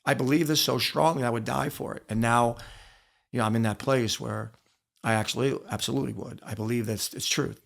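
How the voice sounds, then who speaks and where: Brisk and creaky, with a fairly bright mid-range voice and fairly even intonation, a middle-aged American podcast guest shares personal stories. He's an author and former wrestler, and he speaks with earnest emphasis, repeating phrases for weight.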